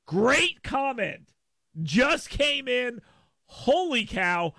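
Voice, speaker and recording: A man's voice: very high voice, big pitch swings, extremely slow, bright, forceful tone, dry recording, studio quality. A man hosting a talk radio show with a brash, sarcastic, riffing manner. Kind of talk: talk radio monologue with live read ad.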